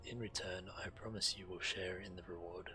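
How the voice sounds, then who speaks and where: An actor playing a proud, self-important black dragon in a video game, speaking formally and persuasively. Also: male voice, low-pitched, steady tone, brisk, natural voice, rough recording. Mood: earnest. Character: proud male black dragon claimant, haughty, earnest, indignant. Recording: music behind the voice.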